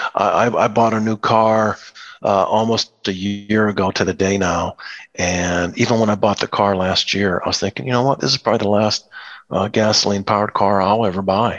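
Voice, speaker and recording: This man's voice sits fairly low and holds very even loudness. He talks at a moderate pace with fairly even intonation. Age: 50s. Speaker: motorcycle industry product manager. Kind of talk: casual interview. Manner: halting, repeats words.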